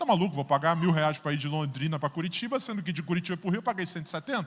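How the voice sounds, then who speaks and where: A man talks at a very fast pace and a high pitch. His pitch variation is ordinary. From Brazil, Rio de Janeiro. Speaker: guest preacher. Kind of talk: sermon. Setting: church. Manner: animated.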